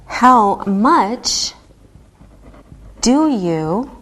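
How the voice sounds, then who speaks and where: A woman's voice: on the high side, big pitch swings, drawn-out words, fairly bright tone, a little hiss or hum. A woman teaching an elementary English lesson, speaking carefully and repeating each example patiently. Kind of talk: slow, carefully enunciated classroom teaching.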